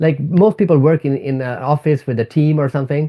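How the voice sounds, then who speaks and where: An ordinary speaking voice at a moderate pace. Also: man. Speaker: keynote speaker and author. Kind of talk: podcast interview.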